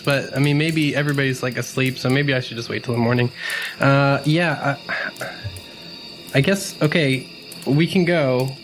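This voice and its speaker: Casual, hesitant guy roleplaying over music. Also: medium pitch. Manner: hesitant, rambling, slangy. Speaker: tabletop game player. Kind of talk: casual in-character roleplay among friends. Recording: music playing under the voice.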